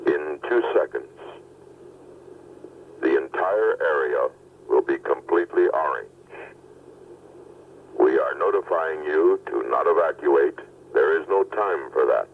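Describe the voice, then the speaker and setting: A man playing a solemn harbor patrol captain making a slow, formal announcement, heard on an old worn answering-machine tape. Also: rumbling low, animated, gravelly, narrow, tinny audio, a little hiss or hum, full character voice. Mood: grave.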